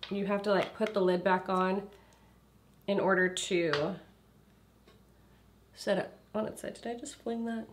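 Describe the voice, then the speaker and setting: A young woman reviewing a foundation in a casual vlog, congested and a little nasal, chatty with lots of fillers. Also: medium pitch. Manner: chatty, filler-heavy, trailing into quiet asides. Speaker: beauty vlogger. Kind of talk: casual product review and makeup demo.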